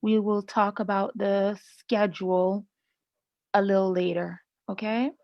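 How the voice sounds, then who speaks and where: A woman's voice: medium pitch, little pitch movement, unhurried, no echo. A woman teaching a live online class, chatty and laughing often with students over a video call. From Canada. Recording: slightly muffled dry video-call audio.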